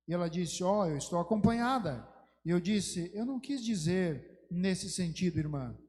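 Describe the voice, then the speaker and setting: High-voiced pastor preaching. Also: male voice, a little mellow. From Brazil. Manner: fervent storytelling preaching that swells into emphatic exhortation. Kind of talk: sermon. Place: church sanctuary. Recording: long church hall reverb.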